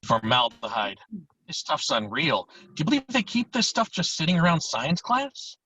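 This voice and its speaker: A man playing a laid-back, slangy teenage slacker best friend in an amateur table read, with a deadpan way of talking. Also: fairly high pitch, moderate pace, breathy edge, no echo, heavily acted. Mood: deadpan, casual. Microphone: virtual table read over video call. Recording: dull lo-fi video call audio.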